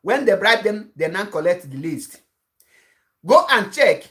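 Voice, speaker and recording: A man's voice: high-pitched, big pitch swings, measured pace, a bit bright. A Nigerian-accented man, an Igbo speaker, delivers an urgent online address in the manner of an activist broadcaster. He hammers points home by repeating himself and often restarts mid-sentence. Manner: insistent, repetitive warnings, frequent restarts.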